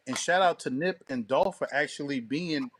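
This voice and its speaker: Slightly high-voiced man in slangy casual talk. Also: moderate pace, fairly bright tone, slight background noise. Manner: slangy, profane, emphatic street talk. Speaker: radio show co-host. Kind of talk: casual opinionated chat.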